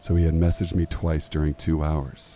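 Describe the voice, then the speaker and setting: Moderate pace and fairly even intonation against noticeable background noise. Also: man. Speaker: horror story narrator. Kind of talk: reading aloud.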